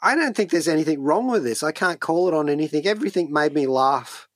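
A man's voice: a little high, animated, quick pace, no echo, clean studio sound. A man chatting as a radio co-host and reviewer, hesitantly repeating words as he goes. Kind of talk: conversational review chat. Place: radio studio.

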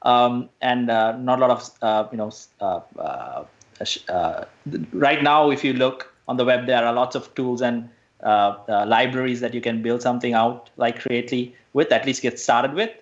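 A man's voice: mid-range voice, normal speed, highs cut off. A man from Sri Lanka, a guest on a radio interview, speaking hesitantly with many fillers and restarts.

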